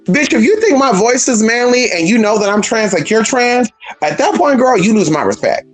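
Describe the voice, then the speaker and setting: Sassy, lively trans woman vlogger. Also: on the high side, normal speed, soft background music. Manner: sassy, blunt, profane; animated, emphatic. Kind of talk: casual vlog rant.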